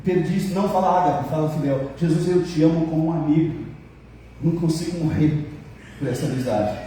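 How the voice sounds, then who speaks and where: The Brazilian pastor's voice is warm and on the high side, moving a little fast. He jokes with the churchgoers and acts out each bit of dialogue he recounts, while a far-off mic in the echoing hall catches a faint hiss or hum.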